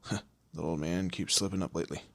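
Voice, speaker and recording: A man playing a commanding, teasing demon lord in an audio roleplay, with a low gravelly, husky voice and an imperious, theatrical manner. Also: steady tone, quick pace, fairly bright tone, dry recording. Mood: irritated, amused. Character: male demon lord, commanding, menacing, teasing boss of hell. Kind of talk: scripted audio roleplay addressed to the listener.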